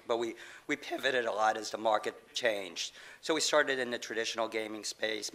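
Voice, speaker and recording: A man's voice: fairly low pitch, a bit bright. A middle-aged man getting over a cold, giving a conference presentation with many fillers and restarts. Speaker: conference speaker, game company CEO.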